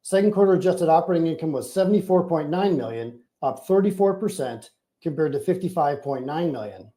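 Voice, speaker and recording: A man's voice: a little high, expressive, brisk, mellow. A man, a company finance chief, formally and methodically reading a scripted financial report on an earnings call.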